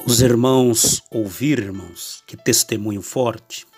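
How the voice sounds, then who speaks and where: A man's voice: medium pitch, measured pace, a little mellow, breathy edge. A man commenting in a solemn preaching manner to his brothers in faith. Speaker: religious commentator. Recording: distant voice over music.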